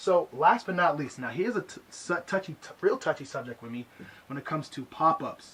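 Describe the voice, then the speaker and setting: Noticeable background noise under a fairly quick pace of speech. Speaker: internet marketing coach. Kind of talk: tutorial. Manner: fast; animated.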